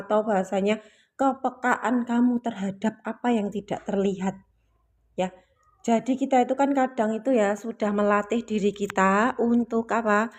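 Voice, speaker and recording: A woman giving a reflective spiritual talk to her listeners, patient and explanatory, often repeating her key points. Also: a little high. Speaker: spiritual teacher.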